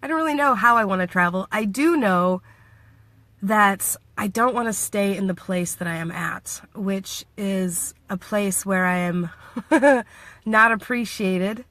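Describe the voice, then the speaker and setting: Speaking at a measured pace, a woman vlogs casually from Washington State in the US, joking around, laughing often and mimicking what others told her. Her mid-range voice has a fairly bright tone, and the recording is dry.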